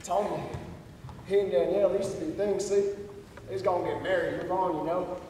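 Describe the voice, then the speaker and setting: A man's voice: high voice, fairly even intonation, a little fast, dark tone, a little hiss or hum, natural voice. An actor playing a rowdy, drunk rural man who taunts and brags crudely. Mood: taunting. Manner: taunting, crude, swaggering storyteller. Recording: echoey hall, far from the mic.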